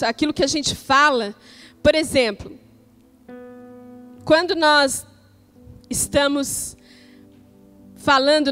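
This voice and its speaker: A woman pastor with a Brazilian Portuguese accent preaching a sermon in church, measured and declarative, with rhetorical questions. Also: high-pitched.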